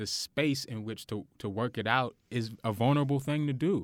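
A man with an American accent talks at a medium pitch with ordinary pitch variation. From Milwaukee, Wisconsin, US. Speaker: poet. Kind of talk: casual interview. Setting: radio studio.

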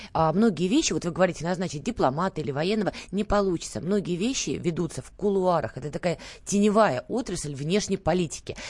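A woman's unremarkable speaking voice, fairly low in pitch, with lively intonation and a fairly quick pace. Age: young. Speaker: political analyst. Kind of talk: radio panel discussion. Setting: radio studio.

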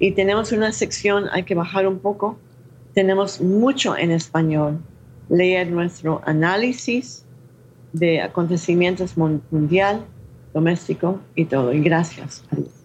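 A woman speaks very slowly at a fairly low pitch. Her loudness stays very even while her pitch varies in an ordinary way. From New Mexico, US. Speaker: presidential candidate and socialist activist. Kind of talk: interview.

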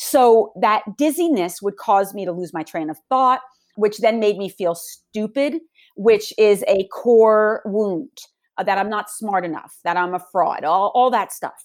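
In a very clean recording with a silent background, a woman with a New Jersey accent speaks at a fairly high pitch. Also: ordinary pitch variation, fairly slow pace. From US Northeast, New Jersey. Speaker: yoga teacher and author. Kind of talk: podcast interview.

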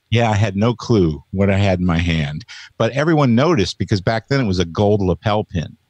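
An ordinary speaking voice, this man's is fairly low in pitch, fairly quick, very even in loudness and lively in intonation, heard dry and close with no echo over a quiet background. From US Midwest, Indianapolis, Indiana. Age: 60s. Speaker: bird and wildlife photographer. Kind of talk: interview. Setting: video call.

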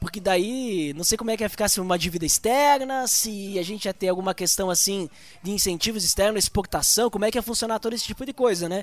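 A man's high-pitched voice at a very fast pace, with ordinary pitch variation and hardly any pauses. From southern Brazil, Rio Grande do Sul. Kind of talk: casual chat.

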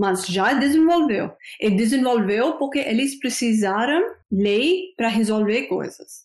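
A woman speaks at a fairly slow pace with a non-native accent. Her fairly high voice swings very widely in pitch. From India. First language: not Portuguese (speaking Portuguese). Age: 50s. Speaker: international relations professor. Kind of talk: interview. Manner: halting.

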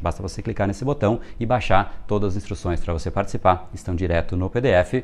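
Speaking very fast, a man uses an ordinary amount of pitch variation. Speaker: persuasion coach. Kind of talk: scripted narration; lecture.

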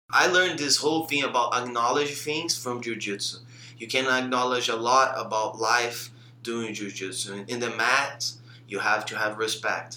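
A man at a moderate pace, against noticeable background noise. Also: medium pitch for a man, ordinary pitch variation. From Brazil. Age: 20s. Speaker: jiu-jitsu instructor and MMA fighter. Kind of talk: interview.

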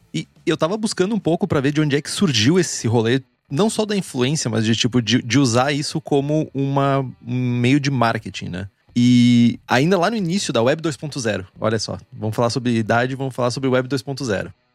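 In a very clean recording with a silent background, a man with an ordinary speaking voice talks at a moderate pace and medium pitch, his intonation lively. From Rio Grande do Sul interior, Brazil. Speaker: podcast host. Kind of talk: casual chat.

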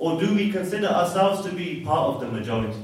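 At a moderate pace, a man talks with a high pitch amid noticeable background noise and audible room echo. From England, Coventry. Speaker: convert speaker. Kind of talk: talk at an event.

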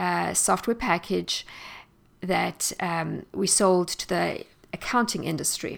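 A woman with a South African accent in a very clean recording with a silent background. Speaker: podcast host and homeschool mom. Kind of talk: solo podcast introduction.

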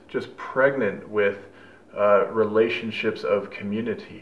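A man speaks at a fairly slow pace in an American accent, his voice carrying audible room echo over noticeable background noise. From suburban US. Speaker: podcast host. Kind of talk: conversational interview. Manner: halting, repeats words.

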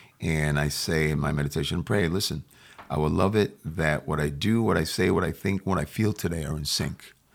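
Noticeable background noise beneath fairly fast speech, pitch varying in an ordinary way. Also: man, very deep, low pitch for a man. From Puerto Rico. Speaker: radio host. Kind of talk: interview.

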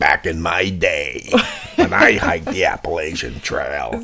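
A raspy put-on character voice moves at a moderate pace over clear background noise. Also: man. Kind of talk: reminiscing, storytelling.

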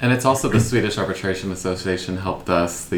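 Against noticeable background noise, a man with a very deep, low pitch speaks at a very fast pace with fairly even intonation. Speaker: arbitration podcast co-host. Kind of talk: casual chat.

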